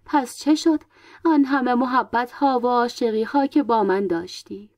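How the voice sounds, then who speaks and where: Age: unknown. Figure: a woman putting on a deceitful witch disguised as a princess, reproachful and wheedling. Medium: storybook reading. Pitch: raised, dry close sound. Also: darkish tone, no echo, lightly acted. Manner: pleading, then mocking and reproachful.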